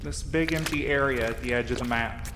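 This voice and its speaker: A man playing a determined explorer urging his friends onward. His voice is mid-pitched and plain, earnest and matter-of-fact, in audio drama style. There is a little noise behind him. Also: fairly quick, close to an everyday voice. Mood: intent, searching. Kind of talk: naturalistic audio drama acting.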